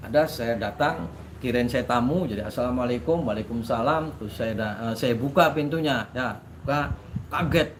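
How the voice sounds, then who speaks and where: A man's voice: medium pitch, normal speed, a little hiss or hum. A man who works as a spiritual practitioner, telling a dramatic personal story to his listeners with frequent restarts.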